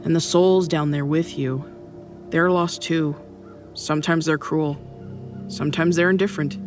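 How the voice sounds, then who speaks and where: A man's voice: a little high, steady tone, a little slow, natural voice. An actor voicing an eerie, unsettling girl in a narrated horror story, with music behind. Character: eerie giggling young girl who digs.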